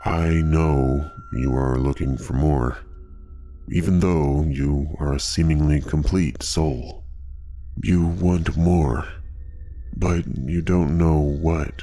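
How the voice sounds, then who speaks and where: A man drawls out a put-on character voice at a very slow pace. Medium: read story. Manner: calm, hesitant.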